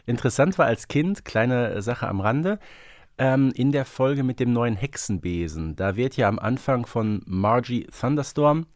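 A man's voice: medium pitch, lively intonation, a little slow, no room sound, clean studio sound. A man chatting casually and knowledgeably as a podcast co-host. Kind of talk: casual expert chat.

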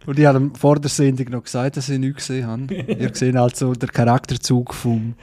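Mellow-voiced Swiss German man. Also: mid-range voice, little pitch movement, fairly quick. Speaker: podcast co-host. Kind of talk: casual film chat.

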